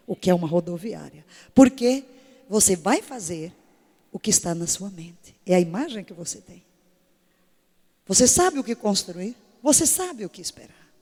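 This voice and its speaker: A woman's voice: mid-range voice, darkish tone, in a large hall. A woman preaching a sermon to her congregation in an emphatic way, full of rhetorical questions. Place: church service.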